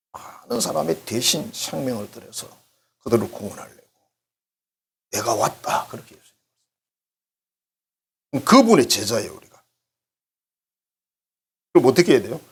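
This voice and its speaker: A man's voice: a little high, breathy edge. A middle-aged male pastor, preaching a sermon in a chatty, joking way and acting out small dialogues. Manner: conversational, joking, acts out little dialogues. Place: church sanctuary.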